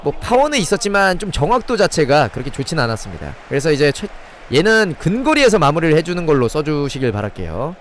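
Young guy streaming a soccer game, pitch jumps all over when he gets hyped, slight noise behind. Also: fast. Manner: excitable play-by-play, chatting with viewers. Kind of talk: live gameplay commentary.

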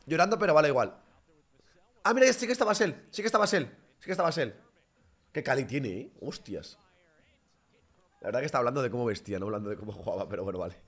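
Young guy reacting to a hoops game, voice jumps all over, yells out of nowhere. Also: medium pitch, fast talker, long pauses. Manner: excitable, bursts into shouts. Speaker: basketball reaction streamer. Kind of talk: live reaction commentary.

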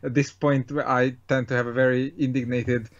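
A man's voice: medium pitch, flat delivery, brisk, dull audio. Dry-witted Hungarian man on a call. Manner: dry, self-mocking humor. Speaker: guest. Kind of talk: video-call interview. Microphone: webcam over video call.

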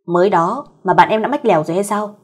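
A woman's voice: mid-range voice, fast, husky, close to an everyday voice. A woman voicing a bossy, curt young male company boss with a caring streak, in a fireside storyteller's audio tale. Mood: teasing, concerned. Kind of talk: acted dialogue in an audio story.

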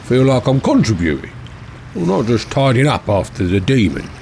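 A simple, kindly working man in an audio drama. He rambles in homespun phrases, his pitch swinging up and down as he muses. A faint watery ambience sits behind the voice. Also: very animated, normal speed, creaky, darkish tone, slight background noise. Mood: wistful, content. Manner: colloquial, rambling, homespun speech. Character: folksy working-class handyman Todd, good-natured, musing, uneasy.

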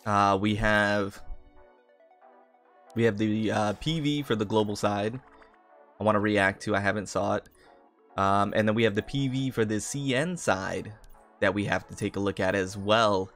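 A man's voice: fairly low pitch, moderate pace, pauses often, a bit bright. A man live streaming in a casual, chatty way, greeting viewers and often repeating his phrases. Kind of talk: casual gaming livestream chat, greeting viewers. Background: background music.

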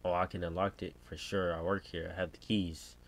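A man's voice: sits low, flat delivery, a little fast. An American man voicing an uneasy gas station worker in a horror game, hesitant and rambling as he calls for help. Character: uneasy, spooked young male gas station worker calling emergency line. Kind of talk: reading game subtitles as dialogue.

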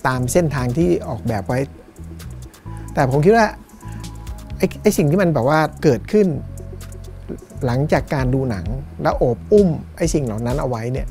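Middle-aged Thai man, cinema owner, reflective interview, gravelly low-key voice, faint music bed. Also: very animated, warm tone. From Thailand. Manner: thoughtful, unhurried, with fillers and restarts. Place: small cinema in front of a screen, indoors.

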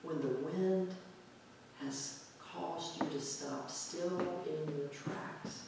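A male pastor giving a reflective, conversational sermon in a church sanctuary, drawing out key words slowly for emphasis. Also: fairly high pitch, fairly even intonation, background noise. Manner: reflective, conversational preaching with slow drawn-out emphasis. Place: church sanctuary with pipe organ, indoors. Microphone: far camera at back of sanctuary. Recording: very echoey church hall from far off.

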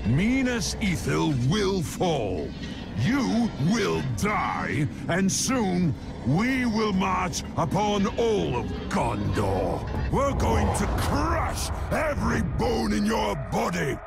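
Wildly swooping, gravelly orc captain. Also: male voice, high-pitched, very animated, drawn-out words, exaggerated voice. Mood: scornful threat. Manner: scornful, theatrical. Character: brutal, scornful male orc captain, boastful and menacing. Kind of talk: video game villain acting. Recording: loud music behind the voice.

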